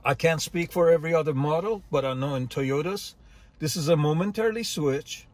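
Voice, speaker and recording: A master diagnostic technician, older and plain-spoken, methodically explains car features step by step with the odd small slip. He talks a little fast in a high-leaning voice with a darkish tone, and there's no echo. He begins in a dealership parking lot outdoors, then gets inside a car.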